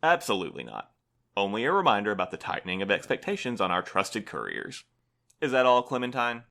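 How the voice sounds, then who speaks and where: An actor playing a prim, officious postal supervisor in an audio drama, formal, polite and unflappable. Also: male voice, fairly low pitch, wildly swooping pitch, brisk, a bit bright, heavily acted. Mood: brightly condescending. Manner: formal, bureaucratic, smoothly evasive.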